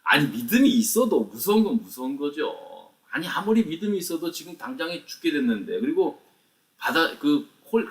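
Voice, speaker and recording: A male pastor gives a lively, conversational sermon, his pitch rising and falling widely as he presses the listeners with questions. He is picked up from some distance away from the mic, so the voice sounds set back in the room. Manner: conversational, animated preaching with rhetorical questions. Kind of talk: sermon at a morning prayer meeting.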